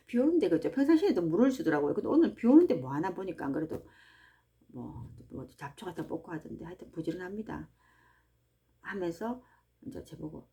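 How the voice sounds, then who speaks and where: Lively woman chatting about faith. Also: lowish voice, gravelly. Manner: chatty and animated, with asides to listeners. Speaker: host of a book-reading channel. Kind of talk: casual devotional talk to listeners. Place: small farm hut.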